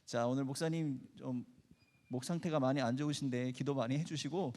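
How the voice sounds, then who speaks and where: A man's voice: medium pitch, steady tone, a little fast, a little mellow. A man politely addressing a congregation with announcements and encouragement, as a church training leader. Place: church hall. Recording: long echoing hall reverb.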